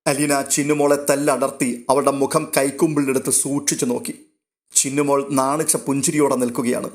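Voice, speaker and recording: A man narrating a novel aloud in a steady, literary storytelling manner. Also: medium pitch, fairly quick.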